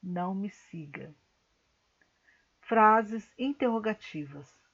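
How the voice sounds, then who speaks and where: A woman teacher with a Brazilian Portuguese accent, reading a grammar lesson slowly and carefully to her class. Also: mid-range voice, lively intonation, muffled recording. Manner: slow, careful explanatory reading. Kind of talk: recorded online grammar lesson.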